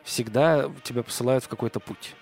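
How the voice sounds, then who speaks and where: A man's voice: medium pitch, a little fast, darkish tone, soft background music. A man in a casual podcast conversation, agreeable and reflective, hesitating with fillers.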